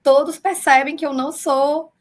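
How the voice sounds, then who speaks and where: A public defender in her forties answers interview questions over a video call, her high, light voice steady in tone. Her Brazilian Portuguese accent blends the far south with the northeast, and she explains things at a measured pace with small fillers along the way.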